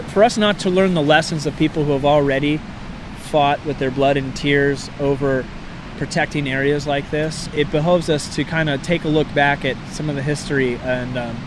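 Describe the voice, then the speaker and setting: Man, measured reflective tone, outdoor noise behind. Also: on the high side. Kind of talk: reflective commentary.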